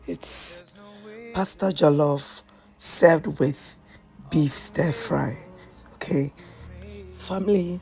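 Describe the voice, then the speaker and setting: Hoarse, low woman cooking. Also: very slow, long pauses, darkish tone. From Ghana. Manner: chatty, repeats phrases, asks "okay?" often. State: hoarse from a flu. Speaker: cooking channel host. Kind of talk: casual cooking tutorial.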